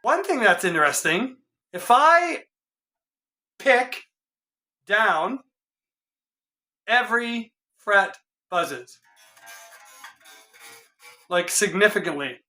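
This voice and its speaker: A middle-aged man with a hoarse voice, a guitar tech in a casual vlog, puzzled and exasperated as he thinks aloud in his home workshop. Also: high-pitched, big pitch swings, extremely slow, long pauses, bright, forceful tone. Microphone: camera a few feet away.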